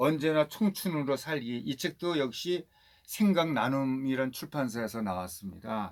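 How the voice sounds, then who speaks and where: A fairly high-pitched man at a fairly slow pace, on a very clean recording with a silent background. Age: 60s. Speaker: author and speech lecturer. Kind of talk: casual monologue about own books. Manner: hesitant, frequent fillers.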